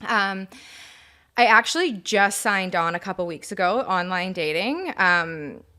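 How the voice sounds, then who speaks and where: A woman's voice: medium pitch, lively intonation, measured pace, pushed and bright. A woman guest on a podcast, talking candidly and emphatically about her life and beliefs. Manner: candid, emphatic, spiritual talk. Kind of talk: casual interview chat.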